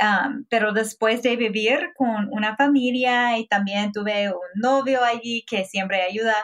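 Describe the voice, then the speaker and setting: Speaking very slowly in an English accent, a woman with a fairly high pitch shows ordinary pitch variation. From US Midwest, Minnesota. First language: English (speaking Spanish). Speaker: hospital physician, podcaster. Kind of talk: interview. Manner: halting.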